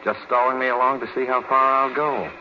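An American actor playing a slick, pushy, flirtatious clerk in a 1940s radio drama, with slangy come-ons. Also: male voice, mid-range voice, steady tone, a little fast, close to an everyday voice. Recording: dull, noisy vintage 1940s radio recording.

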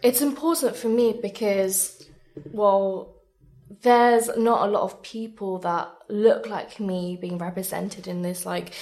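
Woman interviewee, mid-pitched, earnest and emphatic, casual conversational delivery with lots of filler "like". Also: fairly even intonation, slow, darkish tone. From born in Sri Lanka, moved abroad aged three or four. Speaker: guest, beauty content creator.

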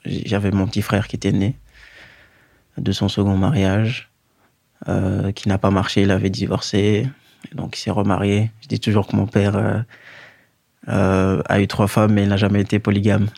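A man in his thirties from Guinea, a native Fula speaker, telling his own story as an interview guest in a measured way with many pauses and fillers. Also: lowish voice, monotone, vocal fry, darkish tone, dry recording, studio quality. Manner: measured, pausing often with fillers. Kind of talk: reflective personal storytelling.

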